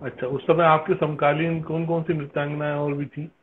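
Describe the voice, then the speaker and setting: A man's voice: a little high, level tone, moderate pace, slight background noise. A man hosting a conversational interview, often giving short encouraging replies. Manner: encouraging, frequent affirming interjections. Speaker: interview host. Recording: tinny phone-like call audio.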